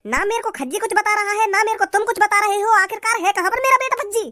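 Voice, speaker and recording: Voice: extremely high pitch, fast, pushed and bright, no room sound, studio quality, pitched above the performer's own voice. A performer voicing a worried village mother in a cartoon, scolding and demanding to know where her son is.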